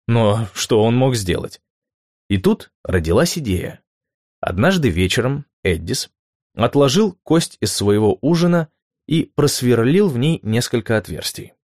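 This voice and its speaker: Measured male audiobook narrator. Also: mid-range voice, a little mellow, no echo, clean studio sound. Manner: measured, clear storytelling with rhetorical questions. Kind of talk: scripted nonfiction narration.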